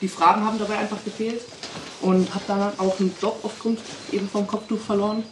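A woman speaks at a fairly quick pace and a medium pitch. Her intonation stays flat and monotone over noticeable background noise. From Bavaria, Germany (Ingolstadt). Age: 20s. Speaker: student and full-time employee, interviewee. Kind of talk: interview.

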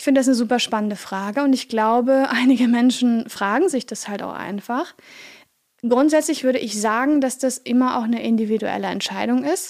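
A woman talks at a fairly quick pace in a high voice with ordinary pitch variation. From Germany. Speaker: podcast coach. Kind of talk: solo podcast advice talk. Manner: casual, with filler words.

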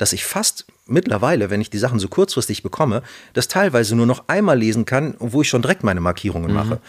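Speaking at a very fast pace, a man of medium pitch uses very wide pitch swings. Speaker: voice actor and narrator. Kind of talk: casual chat. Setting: studio.

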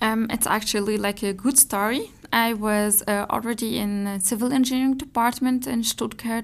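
Somewhat breathy, a woman speaks at a fairly high pitch with a Syrian accent. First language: Arabic. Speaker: environmental engineer. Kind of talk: interview. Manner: halting, many fillers.

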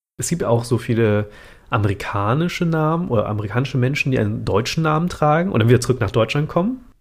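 A somewhat breathy, medium-pitched male voice at a very fast pace. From Hamburg, Germany. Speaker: podcast guest. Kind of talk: casual conversation.

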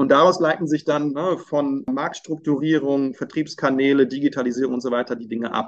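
A man talks in a normal speaking voice at a fairly high pitch and fairly quick pace, with fairly even intonation and hardly any pauses. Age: 40s. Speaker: sales professor. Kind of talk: interview.

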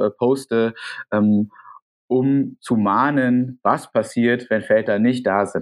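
This is a man with a normal speaking voice at medium pitch. He talks at a fairly slow pace with fairly even intonation. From Germany. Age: 40s. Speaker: author and online editor. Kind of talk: casual interview.

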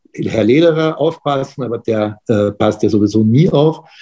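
The voice is dark and mellow, somewhat breathy, fairly slow, with ordinary pitch variation. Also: man. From Austria, Vienna. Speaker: gallery owner and former magazine editor. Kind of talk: interview. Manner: halting, many fillers.

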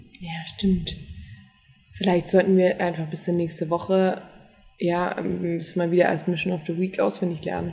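A woman's fairly low, monotone, flat delivery, with long, frequent pauses and noticeable background noise. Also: moderate pace. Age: 30s. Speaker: podcast co-host. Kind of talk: casual chat. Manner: frequent laughter.

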